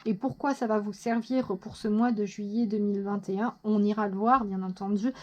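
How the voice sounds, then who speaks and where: A woman giving a casual monthly tarot horoscope reading, chatty, excitable and quick to poke fun at herself. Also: mid-range voice, highs cut off. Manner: chatty, self-mocking, excitable. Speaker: tarot reader.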